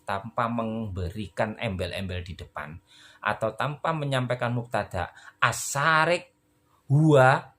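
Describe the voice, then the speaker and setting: A tired man, teaching a recorded lesson on Arabic rhetoric in a relaxed, conversational way and acting out short dialogues to explain. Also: mid-range voice.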